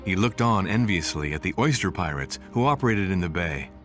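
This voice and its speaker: Male documentary narrator: scripted, measured storytelling, lively rise and fall, music underneath. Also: sits low. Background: music bed.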